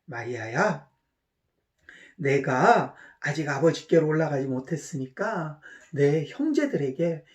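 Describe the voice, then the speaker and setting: A woman voicing a calm, gentle Jesus in a children's Bible story, speaking softly and low. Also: slow pace, full character voice. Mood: calm, tender. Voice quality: soft, hushed and low. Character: gentle risen Jesus, grown man, calm.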